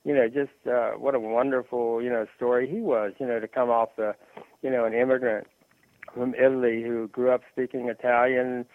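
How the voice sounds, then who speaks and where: A man talking sports on a radio show, halting and full of fillers and restarts. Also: mid-range voice, level tone, no room sound. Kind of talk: rambling sports talk on phone. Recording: tinny phone line.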